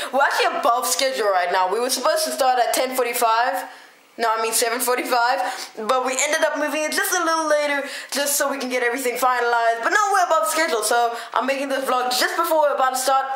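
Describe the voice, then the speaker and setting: A woman rattles along at a very fast pace. Her pitch is high and varies in an ordinary way. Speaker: amateur filmmaker. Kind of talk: on-set behind-the-scenes commentary. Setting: on a film set. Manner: hyper.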